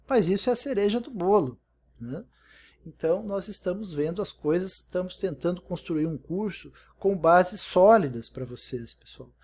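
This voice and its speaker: A man's voice: a little high, darkish tone. A man teaching an English lesson in Portuguese, explaining step by step and repeating example words, often checking in with "né?". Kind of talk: recorded online language lesson.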